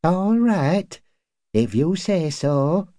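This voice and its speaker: A man's voice: on the high side, big pitch swings, very slow, dark tone, no echo, studio quality, pitched above the performer's own voice, heavily acted. A man voicing an anxious, deferential working-class woman neighbour in an audiobook, with urgent, hesitant, colloquial speech. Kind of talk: audiobook character acting.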